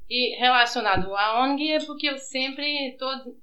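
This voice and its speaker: Bright-voiced French woman speaking with Brazilian accent. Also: high voice, unhurried, muffled recording. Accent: Brazilian Portuguese. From France, grew up on the outskirts of Paris. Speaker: interview guest. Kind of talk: informal interview, telling life story.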